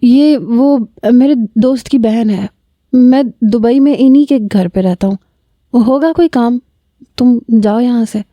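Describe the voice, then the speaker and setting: A woman's voice: fairly high pitch, dry recording, lo-fi sound, close to an everyday voice. A woman reading a story aloud, voicing a flustered young man who stammers nervously.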